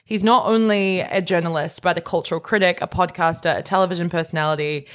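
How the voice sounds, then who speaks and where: A young adult woman co-hosting a podcast in casual, playful chat, wry and quick to laugh. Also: on the low side, steady tone. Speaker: podcast co-host.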